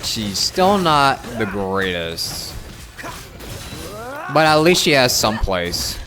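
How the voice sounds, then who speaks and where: A man's voice: medium pitch, very animated, slow. A man giving casual live gameplay commentary as a streamer, wry and rambling. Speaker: game streamer. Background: game music.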